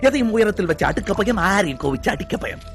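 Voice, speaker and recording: A jittery, timid film patient with a Sri Lankan Tamil accent, his voice sitting high as he rattles off rhyming lists of everything that scares him. Faint music runs underneath. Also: animated. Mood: anxious listing. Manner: rapid rhyming list-like recitation, nervous. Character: timid middle-aged man afraid of everything. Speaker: patient describing his fears to a doctor. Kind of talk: film comedy acting.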